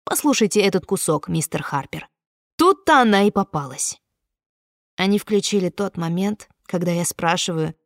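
A woman voicing a smooth-talking male federal agent who keeps pressing his case, in an audiobook reading. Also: fairly low pitch, no echo, clean studio sound.

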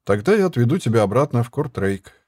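Man as a weary herbalist, firm, sceptical, mellow voice, dry close sound. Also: medium pitch, big pitch swings, fast talker, no room sound. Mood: stern. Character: weary wandering male herbalist, gruff.

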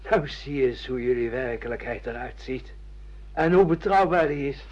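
A man's voice: medium pitch, expressive, moderate pace, lightly acted. An actor playing a bitter, defiant judge who has lost his memory, argumentative and sardonic, in a Dutch radio play. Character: bitter amnesiac judge, defiant man refusing his past. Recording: dull lo-fi radio play recording.

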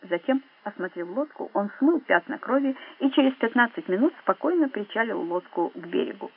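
A woman reading a thriller audiobook as narrator, with steady, even storytelling. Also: on the high side, brisk, slightly rough. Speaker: audiobook reader. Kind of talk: scripted narration. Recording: narrow phone-like band.

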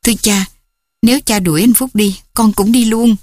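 Woman doing a upset young girl begging her dad, voice pitched up a bit. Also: steady tone, moderate pace, darkish tone, no room sound, clean studio sound, close to an everyday voice. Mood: distraught. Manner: pleading, tearful. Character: distraught young woman, pleading and fragile.

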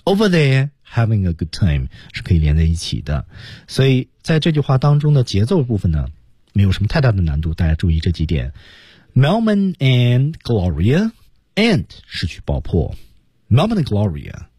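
A man's voice: sits low, very animated, fairly quick, darkish tone, breathy edge, no room sound, clean studio sound. A man teaching English pronunciation on a radio lesson, modelling phrases and chatting with his co-host.

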